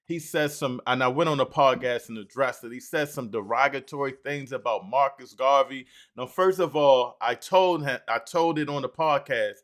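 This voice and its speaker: A man's voice: mid-range voice, normal speed, few pauses, fairly bright tone. An older man hosting a podcast, talking loosely with many fillers and restarts. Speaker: podcast host. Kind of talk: casual interview talk.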